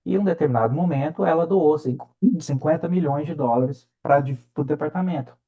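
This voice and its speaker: A man's voice: fairly high pitch, fairly quick, narrow, tinny audio. A middle-aged Brazilian man from Minas Gerais, a researcher speaking as an interview guest, explaining through anecdotes with frequent check-in tags. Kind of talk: conversational interview storytelling.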